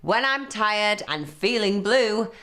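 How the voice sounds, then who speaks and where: A grumpy troll from a children's storybook, acted out by a woman, worn out from lack of sleep. The threats come in declaimed rhyme, with the pitch pushed up above an ordinary storytelling voice. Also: expressive, slow, fairly bright tone. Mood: grumpy, menacing. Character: grumpy, sleep-starved male troll under a bridge.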